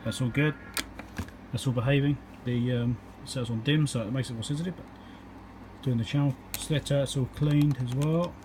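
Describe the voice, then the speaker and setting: A man's voice: mid-range voice, steady tone, normal speed, background noise. A man with a New Zealand accent giving a casual, unscripted, matter-of-fact walkthrough as he works at an indoor bench. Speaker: electronics repairer presenting his work. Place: indoor workbench.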